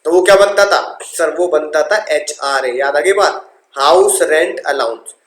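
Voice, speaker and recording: A high-pitched man lectures on tax with playful energy, repeating key terms and throwing questions at his class. His voice rings around an echoey room. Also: measured pace, a bit bright. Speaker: tax teacher.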